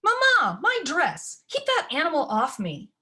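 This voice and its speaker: A woman voicing a spoiled, whiny young stepsister in a storybook reading, pouting and shrill. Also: sing-song, normal speed, a bit bright.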